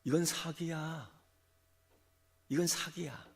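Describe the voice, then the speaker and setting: A man's voice: on the high side, fairly even intonation, slow, creaky, voice pushed up. A man voicing a hungry male tiger who is greedy and then bewildered, talking with blustering self-importance. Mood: dismayed.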